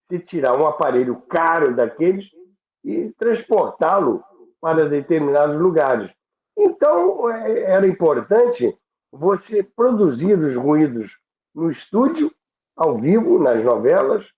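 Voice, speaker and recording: A Brazilian man explaining things informally as an interview guest, halting and repeating words, with rhetorical questions. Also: fairly high pitch. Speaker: interview guest on radio history. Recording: phone-like thin sound, echoey room.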